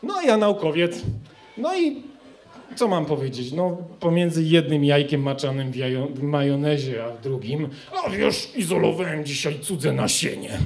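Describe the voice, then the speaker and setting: Young guy doing stand-up, kinda high voice, swings up and down a lot, dry irony. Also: animated, normal speed, creaky, a little mellow. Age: young adult. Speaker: stand-up comedian, scientist. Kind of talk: stand-up comedy monologue. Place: student club stage in front of an audience. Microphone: handheld microphone.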